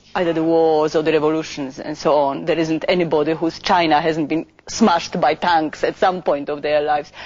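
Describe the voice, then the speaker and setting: A woman's very deep, low voice with a Polish accent, monotone and flat, at a fairly quick pace with hardly any pauses. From Poland. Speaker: theatre artistic director. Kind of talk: documentary interview.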